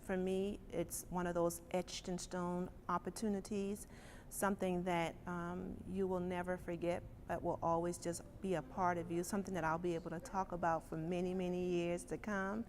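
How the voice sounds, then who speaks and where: A woman's voice: fairly low pitch, level tone, normal speed, a little mellow, slight background noise. A woman from the Charleston area speaking in an interview. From Charleston area, South Carolina. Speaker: interviewed reading participant. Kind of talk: interview talk.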